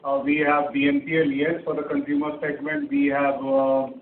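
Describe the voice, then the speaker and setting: A man answers analyst questions on an earnings call, stopping often on fillers. His voice sits a bit high. The sound is thin and phone-like, with roomy echo and faint hiss. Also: sing-song, creaky. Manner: halting, many fillers. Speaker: company executive answering analysts. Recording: echoey, distant, phone-line audio with faint hiss.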